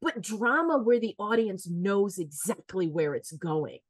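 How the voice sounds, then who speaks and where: A talkative American woman co-hosting a podcast, discussing films in a casual, animated way and acting out quotes. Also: mid-range voice, measured pace, no room sound. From United States. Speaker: podcast co-host.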